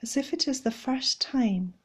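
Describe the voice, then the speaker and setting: A woman leading a guided Christian meditation in a gentle, measured, instructional way. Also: sits high, husky.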